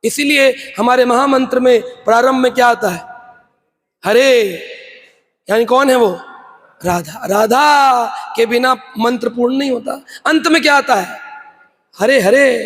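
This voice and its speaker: A man giving a devotional sermon in a temple hall, emphatic, asking rhetorical questions and breaking into sung verses and loud chanting. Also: extremely high pitch. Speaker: preacher. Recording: long hall reverb.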